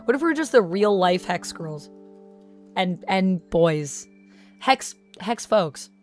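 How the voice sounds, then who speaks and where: A woman's voice: fairly low pitch, expressive, takes it slowly, darkish tone, soft background music. A woman chatting casually on her live stream, reading chat messages aloud and replying to viewers. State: recovering from vocal strain.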